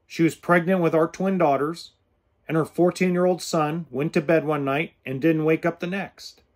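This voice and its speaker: A man in his forties hosts his podcast in a blunt, earnest, plain-spoken manner. His voice sits a little high for a man, and he speaks close into a studio mic in an indoor room. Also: fairly even intonation, moderate pace. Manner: blunt, earnest straight talk with hand gestures. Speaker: podcast host. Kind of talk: casual direct-to-camera talk. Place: indoors in an RV or home kitchen. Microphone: studio mic with pop filter close in front.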